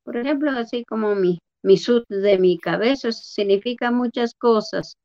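An older woman from Guatemala, a guest who speaks haltingly and searches for her words. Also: fairly high pitch, dark tone, dull audio. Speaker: guest, Maya weaver. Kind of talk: hesitant interview talk.

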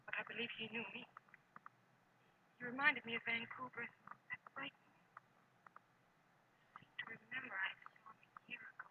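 An actress playing a frightened, exhausted, confused woman in a 1940s radio drama, speaking haltingly and anxiously. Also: on the high side, steady tone, bright, forceful tone. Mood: weary, bewildered. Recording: noisy old radio broadcast.

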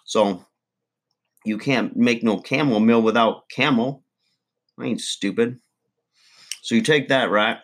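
A man's voice: mid-range voice, measured pace, pauses often, a bit bright. A man playing a crude, boastful middle-aged redneck uncle, rambling folksy advice in a comedy monologue.

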